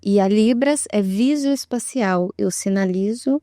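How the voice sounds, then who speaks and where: A woman's voice: medium pitch, measured pace, dark tone, no room sound, studio quality. A woman with a Brazilian Portuguese accent, a guest on a talk show, patiently explaining and often checking in with tag questions. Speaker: guest, sign language expert.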